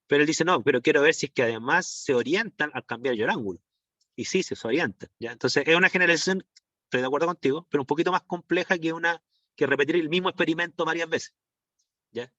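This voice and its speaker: A male teacher, his voice a touch higher than most men's, explains ideas to his students over a video call. He stumbles and circles back often, asking whether they follow. The audio sounds dry and dull, like a cheap online stream. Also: fairly bright tone, no echo. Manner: rambling, many restarts and fillers, rhetorical checks. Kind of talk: online class lecture.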